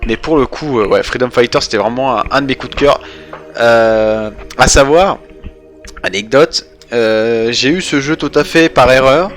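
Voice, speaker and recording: A man's voice: medium pitch, moderate pace, faint music behind. A young French man doing casual live game commentary, rambling and hesitant as he goes. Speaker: game streamer.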